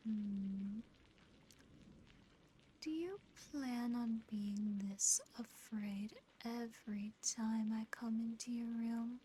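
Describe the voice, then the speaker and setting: A woman voicing a teasing, condescending, darkly affectionate female demon in a breathy, close-miked ASMR whisper. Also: on the high side, mellow, poor audio. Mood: mock pity. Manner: slow, taunting, lingering over words. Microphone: close ASMR microphone. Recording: faint background noise and ambience.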